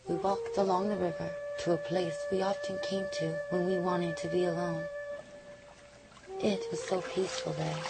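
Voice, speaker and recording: A woman's voice: fairly low pitch, gravelly, heavily acted, low-quality recording. A woman narrating as a young Native woman. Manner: gentle, wondering storytelling. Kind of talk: narration in a hobby radio drama. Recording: loud music under the voice.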